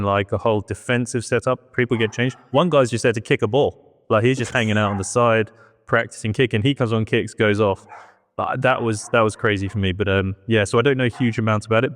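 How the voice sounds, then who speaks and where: A man from England, co-hosting a podcast in relaxed chat, often repeating words as he gathers his thoughts. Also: fairly low pitch, long reverb tail. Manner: easygoing, repeats words as he thinks. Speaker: podcast co-host. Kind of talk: casual chat.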